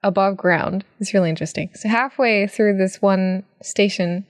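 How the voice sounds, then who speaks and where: A woman's voice: medium pitch, normal speed, no room sound, studio quality. A woman co-hosting a podcast, chatting casually, slipping Japanese words in and giggling often. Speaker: podcast co-host. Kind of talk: casual chat.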